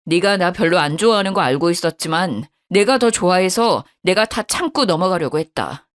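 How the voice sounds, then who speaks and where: A woman's voice: lively intonation, brisk, lightly acted. Woman doing a cold, angry young husband. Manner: harsh, scolding, lower-pitched.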